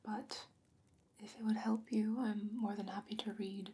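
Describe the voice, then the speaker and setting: A woman voicing a wise, gently stern old sorceress in a soft, breathy ASMR fantasy roleplay, speaking in a measured, deliberate way. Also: medium pitch, level tone, close to an everyday voice. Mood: patient, explaining.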